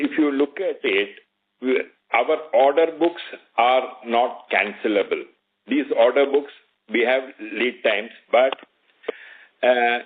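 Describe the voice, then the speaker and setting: Indian male executive on a narrow phone line. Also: mid-range voice. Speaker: company executive. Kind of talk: explanatory answers on an earnings call.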